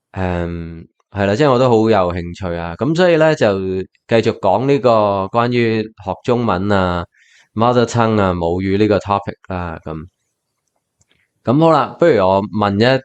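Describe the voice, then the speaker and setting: Low-voiced man hosting a bilingual podcast. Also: clean tone. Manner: mixes Cantonese and English, halting with many fillers. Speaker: podcast host. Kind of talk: casual bilingual podcast chat.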